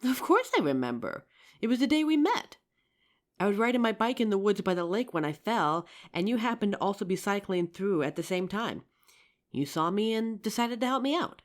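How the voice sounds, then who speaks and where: A woman playing an injured young survivor of a zombie apocalypse in a roleplay audio drama, with halting, emotive delivery. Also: mid-range voice, sing-song, close to an everyday voice. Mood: relieved, fond.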